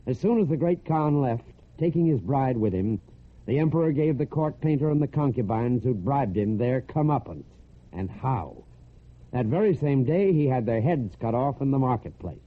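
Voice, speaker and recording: A man's voice: medium pitch, lively intonation, moderate pace. An American man hosting a military radio programme, narrating scripted human-interest stories in a folksy, conversational way. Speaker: radio host and storyteller. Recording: narrow, tinny old radio recording.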